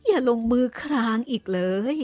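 A woman voicing a flustered, scolding but soft-hearted old aunt in an audiobook. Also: normal speed, dry recording, soft background music, natural voice. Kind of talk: audiobook reading.

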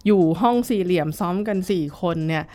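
A woman's voice: on the low side, fast, a little mellow. A middle-aged woman violin teacher recalling her past in a casual interview, talking thoughtfully with many fillers and restarts.

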